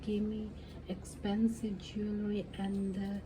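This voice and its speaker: A woman's voice: medium pitch, completely flat delivery, slow pace, lightly acted. A woman voicing a greedy, selfish young daughter in a fairy tale, making demands of her father. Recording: clearly noisy background.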